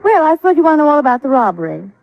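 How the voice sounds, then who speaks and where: A woman's voice: high voice, very animated, rapid-fire, creaky, no echo, exaggerated voice. An actress playing a genteel, evasive young woman from an old family in 1950s radio drama style, hesitant and confiding. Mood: flustered, polite. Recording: dull lo-fi old radio recording.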